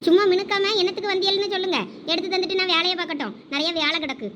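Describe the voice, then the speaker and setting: A young woman acting in a village comedy skit, teasing with sharp, quick retorts. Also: very high-pitched, fairly even intonation, slight background noise. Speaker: sketch actor.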